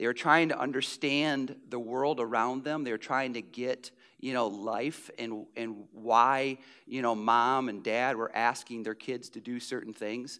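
A man's bright, sharp, passionate voice at medium pitch, with fairly even intonation. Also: fairly slow pace. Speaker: pastor. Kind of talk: sermon. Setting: church. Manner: passionate, sometimes loud; halting, repeats words.

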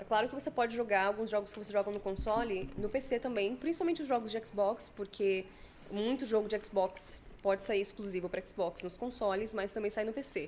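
This is an unremarkable speaking voice with ordinary pitch variation. It goes at a moderate pace. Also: woman. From São Paulo metro area, Brazil. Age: 20s. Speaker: gaming and pop culture presenter. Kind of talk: casual podcast interview.

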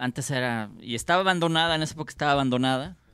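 The speaker is a man with an ordinary speaking voice. His pitch sits in the medium range with ordinary variation. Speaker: keyboardist and musician. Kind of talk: casual chat.

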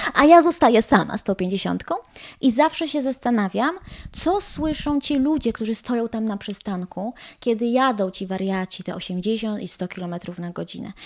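With lively intonation and big swings in loudness, a woman with an unremarkable speaking voice and fairly high pitch talks at a moderate pace. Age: 30s. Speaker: YouTuber teaching correct Polish. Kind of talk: casual interview.

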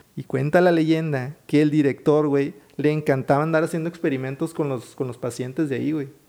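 Fairly quick and flat in intonation, a man talks in a fairly high voice with a dark, mellow tone. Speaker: podcast host. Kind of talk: casual chat.

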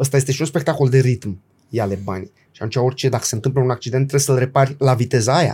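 Somewhat breathy and dark, mellow in tone, a man speaks at a very fast pace and medium pitch with ordinary pitch variation. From Romania. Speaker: actor. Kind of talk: casual chat.

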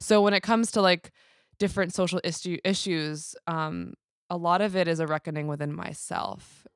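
With an unremarkable speaking voice and fairly even intonation, a woman talks at a moderate pace in a very clean recording with a silent background and a dry, close sound with no echo. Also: fairly low pitch for a woman. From New York City. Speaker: singer-songwriter and activist. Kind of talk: casual interview. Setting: hotel room.

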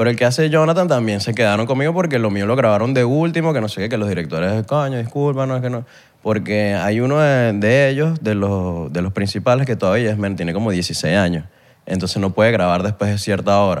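A man with a Venezuelan accent, fairly low in pitch, with lively intonation. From Venezuela (Valencia). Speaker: actor. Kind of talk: casual chat. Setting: studio.

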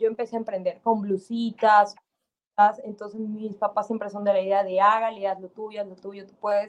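A woman speaks at a moderate pace and a fairly high pitch with a slight Colombian accent. Her loudness swings widely. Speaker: clothing designer and entrepreneur. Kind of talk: interview.

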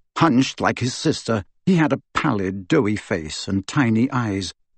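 With a dramatic, animated tone, a man speaks at a moderate pace, his pitch swinging very widely. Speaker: audiobook narrator. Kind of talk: audiobook narration of a novel. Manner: dramatic, animated, character voices.

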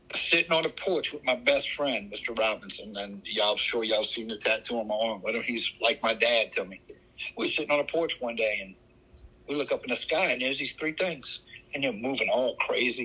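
A man with a Louisiana accent at a fairly quick pace. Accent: Cajun Louisiana. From Louisiana bayou country. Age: 50s. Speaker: guest sharing paranormal experiences. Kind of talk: casual chat.

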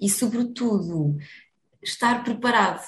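Her voice is somewhat breathy. The woman speaks at a fairly slow pace. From Portugal, Coimbra. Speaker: stepmother sharing her experience. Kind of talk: interview conversation.

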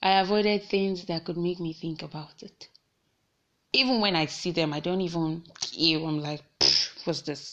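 A woman with a Nigerian accent and a fairly low pitch speaks in an animated tone at a moderate pace. Her loudness swings widely, and she takes long, frequent pauses. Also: ordinary pitch variation. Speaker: podcaster. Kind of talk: casual solo podcast monologue. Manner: animated, chatty, laughs often.

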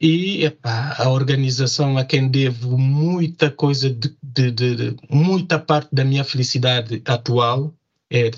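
The man's voice sits at a medium pitch and sounds somewhat breathy. He speaks at a very slow pace with fairly even intonation. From São Tomé and Príncipe. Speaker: public speaking champion and IT manager. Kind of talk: casual interview. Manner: repeats words, some hesitation.

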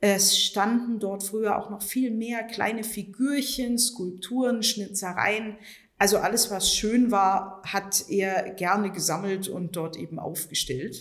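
At a very slow pace, a woman with a slight Bavarian accent speaks at medium pitch with ordinary pitch variation over noticeable background noise. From Bavaria, Uffing am Staffelsee. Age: 30s. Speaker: castle tour guide. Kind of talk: interview.

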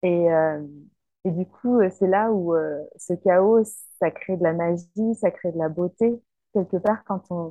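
The woman speaks at a very slow pace. Her voice sits at a medium pitch with ordinary pitch variation. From Paris region, France. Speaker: coach and eco-site founder. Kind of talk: interview.

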